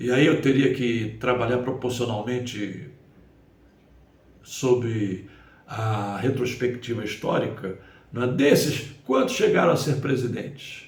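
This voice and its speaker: With a Brazilian accent, a man speaks at medium pitch and a very slow pace, with fairly even intonation and long, frequent pauses, over noticeable background noise and audible room echo. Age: 70s. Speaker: Bible teacher. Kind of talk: Bible lesson broadcast. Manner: halting.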